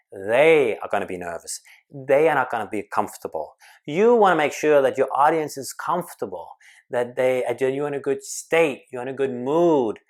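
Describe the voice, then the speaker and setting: A medium-pitched man gives public speaking advice straight to the camera. His delivery is emphatic and energetic, with quick bursts and sudden slowdowns.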